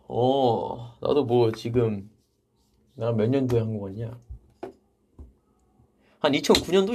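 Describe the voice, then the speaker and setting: A young idol livestream host broadcasts casually from a vocal practice room, reading viewer comments aloud and answering them in a relaxed, chatty way. His voice is medium-pitched and gravelly.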